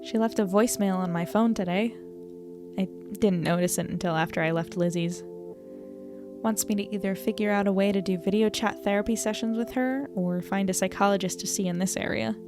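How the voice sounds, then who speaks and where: Music plays clearly behind an actress playing a young woman reporter in an audio drama. She is plainspoken and troubled, with a medium-pitched voice and dry, understated sarcasm. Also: steady tone, normal speed, close to an everyday voice. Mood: weary, musing. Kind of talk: audio drama acting, diary-like monologue and dialogue.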